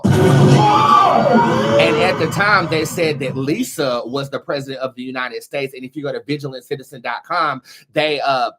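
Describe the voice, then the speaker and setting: A man with a mid-range voice talks as a show host giving informal commentary. He pauses often as he goes, then leans hard on key words. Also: mid-range voice, very noisy. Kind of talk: casual commentary to camera.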